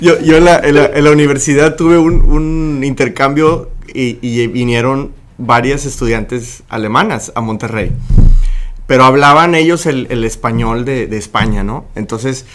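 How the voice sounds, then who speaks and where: A man's voice: medium pitch, normal speed. A man hosting a casual interview, telling amused anecdotes with stumbling restarts. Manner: amused storyteller, hesitant restarts. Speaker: interview host.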